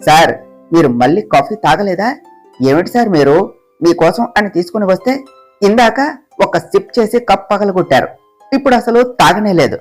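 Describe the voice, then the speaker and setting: A woman's voice: medium pitch, animated, normal speed, darkish tone, faint music behind, close to an everyday voice. A woman voicing a bold, cheeky young office assistant who teases her boss and talks back.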